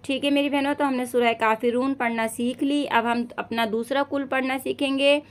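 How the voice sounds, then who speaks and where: A woman's voice: high-pitched, fairly even intonation, moderate pace. A young woman teaching Quran recitation online, with an Urdu-speaking South Asian accent. She explains patiently, often checking in with "theek hai" and stretching out sounds to show them.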